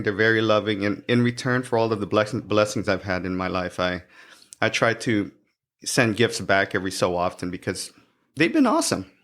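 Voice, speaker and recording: Halting man guest from the Philippines. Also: on the low side, a bit bright. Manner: halting, with many restarts and fillers. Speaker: guest, cybersecurity professional. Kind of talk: podcast interview.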